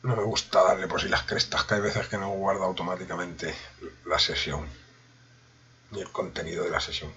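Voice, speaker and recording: A man's voice: low voice, little pitch movement, moderate pace, sharp tone, dull audio, slight background noise. A man with a Spain Spanish accent giving a joking running commentary to himself during a casual live coding stream.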